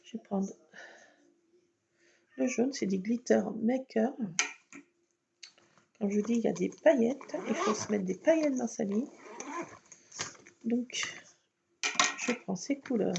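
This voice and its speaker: A woman's voice: a little high, slow, gravelly, long pauses. A woman chatting through a crafting tutorial at home, explaining each step with lots of fillers. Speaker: craft vlogger. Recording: dull lo-fi sound with faint noise.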